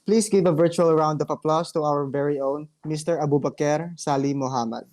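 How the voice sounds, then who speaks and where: A man's voice: a little high, steady tone, brisk, a little mellow. A man hosting an online event and formally introducing speakers. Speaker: host.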